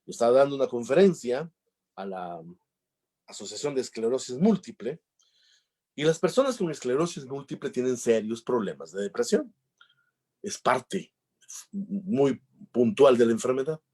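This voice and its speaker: A man's voice: mid-range voice, lively intonation, moderate pace, pauses often, a little mellow. A man giving a talk on emotional intelligence, telling jokey stories and acting out the dialogues. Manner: jokey storyteller, acts out dialogues. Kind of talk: conference talk with anecdotes.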